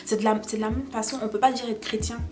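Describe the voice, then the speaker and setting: A woman's voice: on the high side, steady tone, rapid-fire. Young woman vlogger with a head cold, earnest and conversational, music bed under her voice. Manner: earnest, repeats "d'accord?" to check in. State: has a cold, stuffy. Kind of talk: casual faith talk to camera. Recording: clear music in the background.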